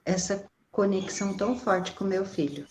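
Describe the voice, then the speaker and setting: A woman's voice: mid-range voice, normal speed, darkish tone. A woman, thoughtfully recounting her experiences as an interview guest. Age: 40s. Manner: reflective, many fillers like "né" and "assim". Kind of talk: casual conversational interview. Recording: faint background noise.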